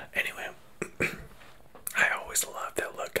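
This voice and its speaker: A man whispers. His pace is moderate. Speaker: ASMR creator. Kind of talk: ASMR fashion commentary. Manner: whispered. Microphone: studio mic.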